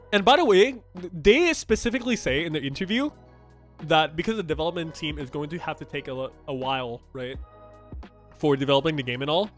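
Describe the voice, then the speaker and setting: A young man from Thailand, whose first languages are Thai and Japanese, speaks English in a slightly high voice. He rambles through game news in a blunt, chatty way, full of fillers and restarts. Soft music plays quietly behind him. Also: expressive, moderate pace. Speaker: gaming streamer. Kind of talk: casual game news reaction commentary.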